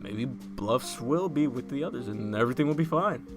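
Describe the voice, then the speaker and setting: Guy acting as serious formal man in a podcast drama, measured n precise, guitar music behind. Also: mid-range voice, lively intonation, close to an everyday voice. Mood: serious, uncertain. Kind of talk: acted dialogue in an audio drama podcast.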